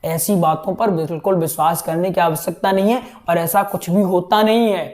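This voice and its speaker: A man's voice: high voice, fairly even intonation, moderate pace, darkish tone. A young man teaching would-be katha speakers in a chatty style, often checking in with his listeners. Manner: conversational, keeps checking in with "right?". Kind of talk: teaching talk to students.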